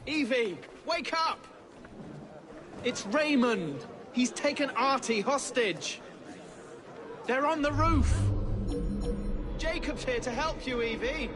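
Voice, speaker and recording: Urgent young ally, very high voice, slow deliberate words, game score loud in the mix. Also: male voice, lively intonation, music in the background, exaggerated voice. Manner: urgent, alarmed. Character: urgent young male ally raising the alarm. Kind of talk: video game cutscene acting.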